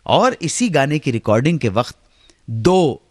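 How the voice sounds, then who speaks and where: A middle-aged man hosting a radio show, telling stories in a dramatic way that swings from hushed asides to loud exclamations. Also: medium pitch, very animated, measured pace, no room sound. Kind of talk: storytelling radio narration. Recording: radio broadcast with faint music underneath.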